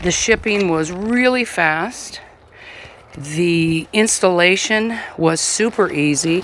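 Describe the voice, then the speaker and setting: Against noticeable background noise, a woman with a fairly low pitch speaks at a very slow pace. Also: ordinary pitch variation. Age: 60s. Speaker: motorcycle rider, customer. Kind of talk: product review testimonial.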